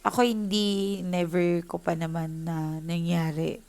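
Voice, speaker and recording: A woman's voice: on the low side, flat delivery, a little slow, a little mellow. Emotional woman reading tarot. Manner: emotional, mixes Tagalog and English; addresses viewers directly. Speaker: tarot reader. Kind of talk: casual tarot reading to viewers.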